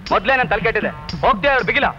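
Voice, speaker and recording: An actor playing a frustrated, quick-tempered young man without work. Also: very high-pitched. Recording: dull old film soundtrack with music.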